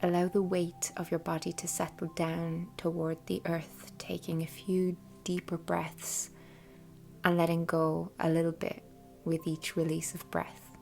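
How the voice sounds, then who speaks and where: A woman leading a guided meditation in a soft, breathy, half-whispered voice with an unhurried, soothing delivery. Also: lowish voice, flat delivery. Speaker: host guiding a meditation. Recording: soft music bed behind voice. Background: quiet background music.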